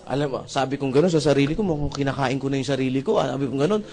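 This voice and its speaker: A man speaking at a seminar, telling a lively story. He acts out dialogue and often checks whether the audience agrees. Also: very fast. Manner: animated, with jumps in pitch and loudness. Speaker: seminar speaker sharing his testimony. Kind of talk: motivational storytelling talk.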